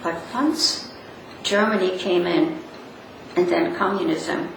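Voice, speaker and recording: An older woman with a Polish accent reflects slowly in an interview, her voice edged with fry. She halts and repeats phrases for emphasis. The room is very echoey and the microphone sits at a distance. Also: on the low side. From Poland. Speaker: interviewee, speaker on Holocaust education. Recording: very echoey room, distant mic, light noise.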